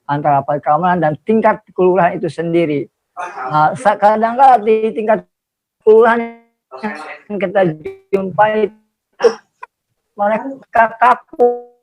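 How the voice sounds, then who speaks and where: A man's voice: sits high, measured pace, long pauses, a little mellow, soft background music, poor audio. A man asking a formal question over a remote call, his audio glitching and breaking up, speaking hesitantly with many filler sounds. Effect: glitching, breaking-up audio from a weak connection. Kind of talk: formal question in an online dialogue. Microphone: remote video call.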